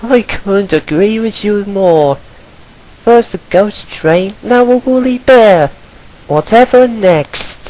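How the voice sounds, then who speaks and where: The speaker uses a put-on character voice at a fairly slow pace. Its pitch sits fairly high. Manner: mocking.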